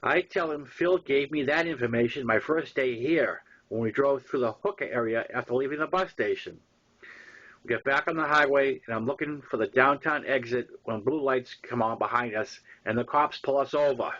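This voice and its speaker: A man with a Boston accent reading his own story aloud in an informal way, with halting, emphatic repeats and wry asides. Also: medium pitch, fairly bright tone. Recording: dull lo-fi audio.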